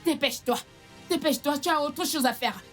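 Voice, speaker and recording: An actress playing a cruel, bitter aunt who scolds and threatens with insults. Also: female voice, high voice, fairly quick, faint music behind, close to an everyday voice. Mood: scolding. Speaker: abusive aunt. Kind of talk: dubbed film drama.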